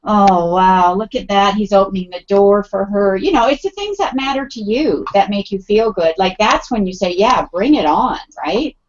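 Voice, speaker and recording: A woman's voice: medium pitch, lively intonation, normal speed, few pauses. Chatty middle-aged woman, muffled sound. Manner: chatty, full of fillers, acts out quoted thoughts. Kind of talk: casual panel discussion. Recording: muffled lo-fi audio.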